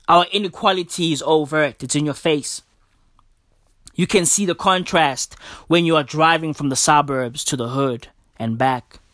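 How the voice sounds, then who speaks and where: A man's voice: fairly high pitch, moderate pace, fairly bright tone, no echo, studio quality. A young South African man hosting a casual podcast, talking in slang and calling the listener bro and bruv. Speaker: podcast host. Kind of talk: casual solo podcast commentary. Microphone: podcast mic.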